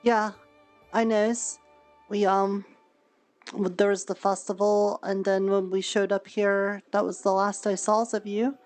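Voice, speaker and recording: A woman's voice: medium pitch, flat delivery, a little slow, darkish tone. Woman roleplayer, easygoing in-character chatter, faint music underneath. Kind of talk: casual in-character chat.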